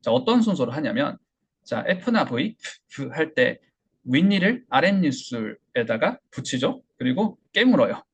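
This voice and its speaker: Man, Korean accent, pronunciation lesson, raspy, fry in the voice, repeats sounds, asks questions. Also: mid-range voice, very animated, measured pace. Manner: demonstrates sounds, repeats example words, rhetorical questions. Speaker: English pronunciation teacher. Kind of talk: online English lesson.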